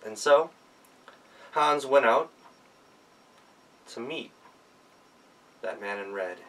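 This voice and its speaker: Animated American man telling a folktale. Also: mid-range voice, distant mic, a little hiss or hum, rough recording. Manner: dramatic pauses and repetition. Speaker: professional storyteller.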